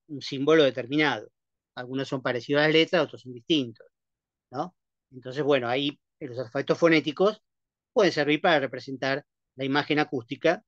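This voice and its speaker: A man's voice: fairly high pitch, no room sound, highs cut off. A man lecturing a university class, explaining patiently and checking in with the students after almost every point. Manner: explanatory, checks in with frequent "¿sí?" and "¿no?" tags.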